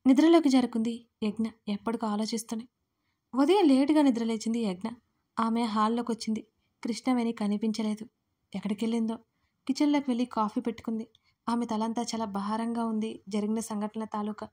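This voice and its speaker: A woman narrating an audio drama series in steady, emotive storytelling. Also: on the high side, brisk.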